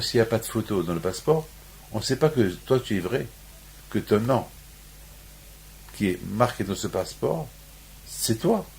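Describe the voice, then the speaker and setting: A man's voice: fairly low pitch, gravelly, darkish tone. A man from Morocco giving a sermon on the weekly Torah portion, restating his points over and over and rising into emphatic peaks. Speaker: rabbi.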